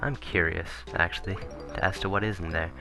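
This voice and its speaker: A man commentating casually on a video game he is playing, rambling and correcting himself, his voice turning raspy. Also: deep voice, steady tone, fairly quick. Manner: rambling, self-correcting, chuckling asides. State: voice getting raspy. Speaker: let's play commentator. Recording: game music playing behind.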